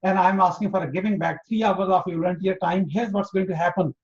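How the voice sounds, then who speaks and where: A man from Pakistan hosting an interview, speaking earnestly and emphatically and spelling out his points slowly. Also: sits high, steady tone. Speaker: interview host. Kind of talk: motivational interview. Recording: dull lo-fi audio.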